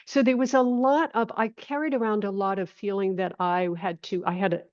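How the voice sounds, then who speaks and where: A woman in her seventies, originally from an island in Maine, speaks as a guest in a conversational interview. She sits at a middling pitch and repeats phrases to drive a point home. The sound is dry and a little dull. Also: steady tone, brisk, a little mellow, no echo. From island off the coast of Maine, USA. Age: 70s. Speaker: podcast guest, holistic health teacher.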